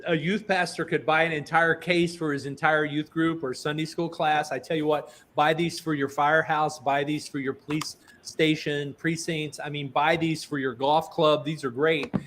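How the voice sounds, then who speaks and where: A man's voice: fairly high pitch, little pitch movement, moderate pace, few pauses, a bit bright, slight background noise. A man in his fifties hosting a talk show, chatty and enthusiastic, rambling between stories. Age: 50s. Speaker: host. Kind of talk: casual interview chat.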